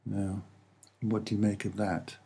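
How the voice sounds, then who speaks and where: A soft-spoken man with a slightly husky voice, presenting and explaining images in an unhurried, earnest way with hesitant pauses. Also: on the low side, little pitch movement. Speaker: online video presenter.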